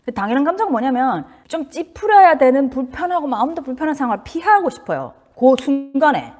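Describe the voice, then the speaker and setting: A middle-aged woman, a child psychiatrist, giving a casual talk and acting out parent and child voices, sometimes dropping to a whisper. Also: a little high. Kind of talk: casual lecture to camera.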